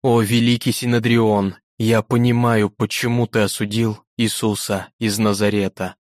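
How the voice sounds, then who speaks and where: A man's voice: fairly low pitch, little pitch movement, normal speed, no echo, clean studio sound, close to an everyday voice. A man voicing a proud, defiant young woman on trial, speaking with indignant passion in a storybook reading. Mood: impassioned.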